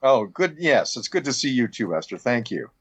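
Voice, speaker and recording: A man's voice: medium pitch, very animated, moderate pace, husky, no room sound. A man talking casually as an interview guest, an artistic director of a theater.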